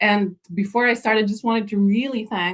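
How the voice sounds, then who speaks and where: Speaking at a fairly quick pace, a woman with a Greek accent keeps her intonation fairly even. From northern Greece. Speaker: environmental engineer. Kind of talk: webinar presentation.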